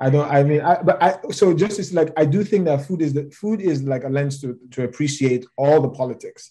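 A man with a Nigerian accent speaks at a fairly quick pace with hardly any pauses, in a fairly high pitch with ordinary variation. His voice is somewhat breathy, with a dark, mellow tone. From Lagos, Nigeria. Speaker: chef and writer. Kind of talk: interview conversation. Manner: casual, laughs often.

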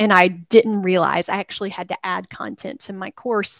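A woman's plain, everyday voice at medium pitch and moderate pace, with fairly even intonation, dry, close sound with no echo, and a quiet background. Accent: American. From Texas. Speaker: digital organization consultant, business owner. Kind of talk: podcast interview.

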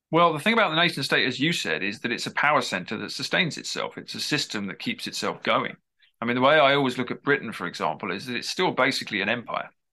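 Against a quiet background, a man talks very fast in a bright, sharp tone with vocal fry and very wide pitch swings. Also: fairly high pitch for a man. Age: 50s. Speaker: author and writing teacher. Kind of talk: casual interview conversation.

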